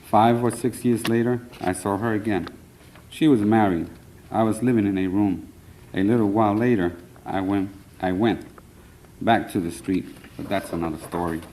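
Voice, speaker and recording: A man from Puerto Rico in his thirties reads his poems aloud at a conference. His voice sits on the low side and sounds mellow. He reads in an earnest, measured way with short pauses, a little nervous. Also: fairly even intonation, a little hiss or hum, rough recording. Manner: earnest, plain, measured delivery with short line breaks. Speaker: poet reading his work. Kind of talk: live poetry reading. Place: conference hall.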